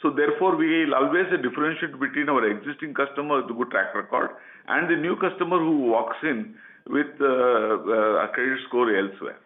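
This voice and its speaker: A man's voice: mid-range voice, a little fast. Indian male executive, mid-range voice, stop-start answers on an earnings call, narrow telephone audio. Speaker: company executive. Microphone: telephone conference line. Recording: muffled conference phone line.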